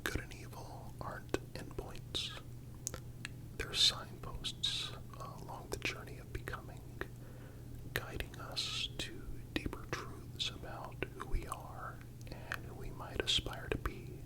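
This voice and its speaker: An ASMR narrator who whispers throughout at a slow, deliberate pace. The delivery is soothing and scripted, with a breathy, unvoiced texture and careful, measured phrasing. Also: low-quality recording.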